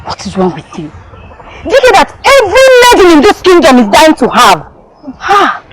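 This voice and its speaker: A woman's voice: a little high, huge pitch swings, brisk, very noisy. A woman with a Nigerian accent playing an exasperated young friend who scolds. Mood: scolding. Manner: scolding, exclaiming. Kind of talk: film acting.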